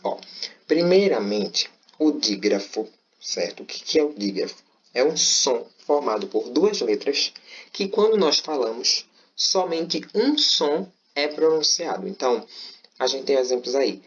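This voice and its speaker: A man's voice: medium pitch, very animated, measured pace. Patient man teaching grammar. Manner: patient, explains step by step, often checks with "certo?". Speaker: Portuguese teacher. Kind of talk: online grammar lesson. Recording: slightly dull, lo-fi audio.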